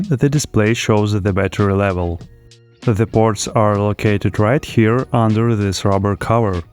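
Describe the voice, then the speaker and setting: A man's voice: fairly low pitch, darkish tone. A man reading scripted voice-over narration as a product reviewer. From lives in Spain.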